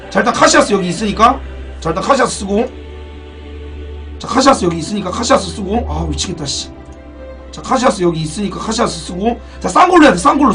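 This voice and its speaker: A young man live-streaming a game, excitable and profane, thanking donors as he plays. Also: sits high. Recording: distant mic, background music.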